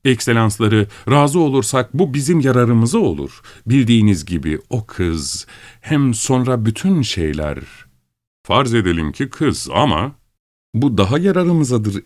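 A man voicing an eager, fawning male sycophant in an audiobook, talking in a wheedling, flattering way. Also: mid-range voice, unhurried, no room sound, studio quality, pitched above the performer's own voice. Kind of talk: audiobook character reading.

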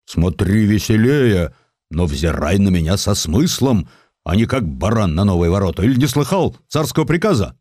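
A man's voice: fairly low pitch, very animated, moderate pace, darkish tone, no echo, studio quality. A man voicing a pompous, commanding old-time naval officer in an audio story, drawing out his words. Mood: gruff scolding.

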